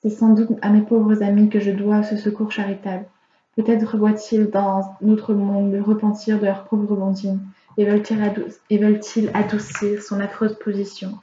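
A woman's voice: mid-range voice, monotone, normal speed, warm tone, natural voice. Blondine, a woman reading as a grieving remorseful girl. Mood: sorrowful. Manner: pleading, sorrowful. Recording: roomy, slightly dull home recording.

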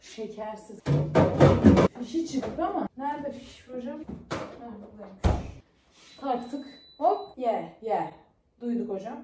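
A woman's voice: fairly high pitch, expressive, takes it slowly, long pauses, distant mic. A woman vlogging casually on her own in a holiday home, rambling and joking at her own expense. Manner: chatty, rambling and self-mocking. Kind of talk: casual solo vlog chat. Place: indoors in a rented holiday home. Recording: echoey room, faint background noise.

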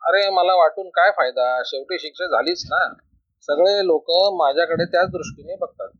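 A man's voice: on the high side, moderate pace, a bit bright, dry recording. A worried tearful mother, as a man reads her. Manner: complaining, pleading. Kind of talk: storybook reading. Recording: dull lo-fi recording.

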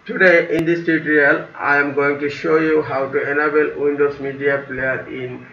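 A man narrating a step-by-step software tutorial in simple, halting, non-native English phrasing. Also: on the high side, flat delivery. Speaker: tutorial host. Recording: roomy, distant, dull mic with faint hiss.

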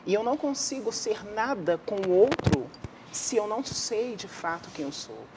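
A woman's voice: mid-range voice, animated, normal speed, noisy background. A woman guest on a religious TV talk show, speaking emphatically and stressing words as she gives testimony about women's lives. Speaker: guest counselor who sees many women.

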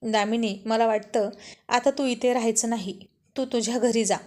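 A woman's voice: fairly high pitch, fairly even intonation, normal speed, a little mellow, lightly acted. Rudra, a stern irritable young man, read by a woman. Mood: scolding.

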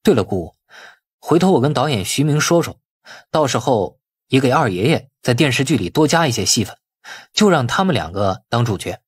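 A man's voice: mid-range voice, sing-song, fairly quick, slightly rough, no room sound, studio quality. A man voicing a wily, outwardly deferential nephew in an audiobook, glib and colloquial in his arguing. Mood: ingratiating. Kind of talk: audiobook character acting.

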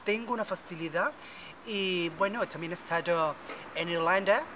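A woman's voice: lowish voice, normal speed, background noise, lightly acted. Estela, a woman playing a spoiled chatterbox. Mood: bubbly boastful. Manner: boastful nonstop chatter, fake foreign accent bits. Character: vain chatty rich young woman, spoiled daddy's girl. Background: background music.

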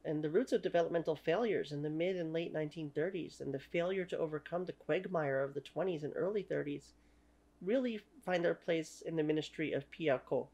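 A woman's voice: deep voice, fairly quick, mellow, lo-fi sound. Canadian woman in her 30s, native French speaker, opinionated history host talking to camera at home. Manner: opinionated, many "you know" fillers. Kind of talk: talking-head history lecture. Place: small room at home.

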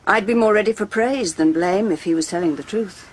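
An actress playing a composed, dryly witty senior nun in a radio drama, with a husky voice and measured authority. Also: female voice, mid-range voice, lightly acted.

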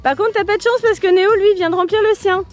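A woman with a strikingly high voice hosts a family toy-review vlog outdoors beside a pool. She talks in a playful, teasing way and laughs often. Soft music plays faintly behind her. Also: steady tone, fast talker. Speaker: mother and channel host.

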